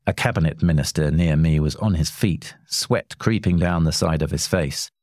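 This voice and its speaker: A man narrating a short story in a measured, wry way. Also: rumbling low, darkish tone, dry recording, studio quality.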